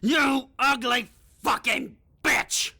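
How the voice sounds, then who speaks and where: A woman's voice: high-pitched, drawn-out words, vocal fry, crowd noise, full character voice. A woman playing a hot-tempered, petulant male vampire in an audio drama, cursing with explosive indignation. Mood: furious. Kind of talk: audio drama comedy acting.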